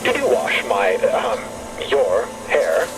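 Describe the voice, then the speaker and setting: Fussy, lively-pitched robot caretaker. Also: male voice, slow, background noise. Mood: fussy, careful. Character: fussy, caretaking mechanical man in a bellows-chested robot body. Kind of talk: scripted audio fiction dialogue.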